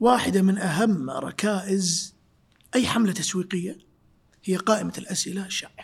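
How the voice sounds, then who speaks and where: The pitch of this man's voice sits high, with ordinary pitch variation. He talks at a moderate pace. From Saudi Arabia, Eastern Province. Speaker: nonprofit executive and engineer. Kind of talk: interview conversation.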